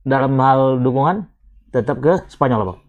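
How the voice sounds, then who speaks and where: A man's voice: medium pitch, normal speed, dull audio. A man hosting a casual football chat, asking his guests questions and prompting them for answers. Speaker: show host.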